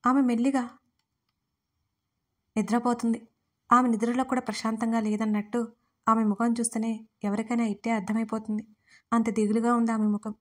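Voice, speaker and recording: A woman narrating an audio love story in a steady, scripted way. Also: a little high.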